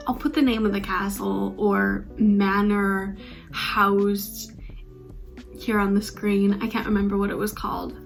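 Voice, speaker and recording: A woman's voice: mid-range voice, little pitch movement, unhurried, creaky, faint music behind. A young woman from Canada with a Canadian accent, chatting casually and upbeat in a travel vlog. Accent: Canadian English. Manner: chatty, upbeat, laughs easily. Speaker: vlogger.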